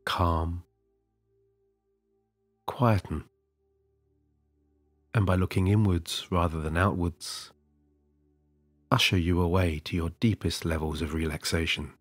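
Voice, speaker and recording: A man leading a guided sleep hypnosis session, talking softly and slowly with long pauses. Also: sits low, steady tone, no room sound. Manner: soft, slow and soothing, with long pauses. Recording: dry close studio voice over soft music.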